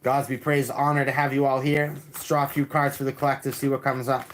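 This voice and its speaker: Guy doing tarot on a livestream, pretty flat even voice, calm, says things twice. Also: medium pitch, fairly quick, background noise. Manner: calm, repetitive, with many restarts. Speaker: tarot reader streamer. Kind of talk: live-stream tarot reading and chat.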